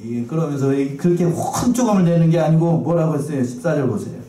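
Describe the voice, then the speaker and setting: A man's voice: on the high side, expressive, quick pace, dark tone. Man preaching in a roomy church. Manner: questions the congregation, repeating key phrases. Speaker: pastor. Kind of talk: sermon. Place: church sanctuary. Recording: roomy, distant, faint noise.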